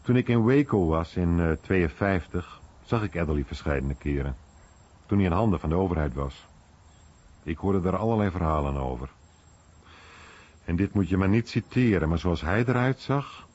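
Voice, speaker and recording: Deep, husky male voice-over reader. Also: expressive, normal speed, a little mellow. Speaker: voice-over reader of translated interview. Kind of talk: scripted interview voice-over. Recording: dull muffled radio recording.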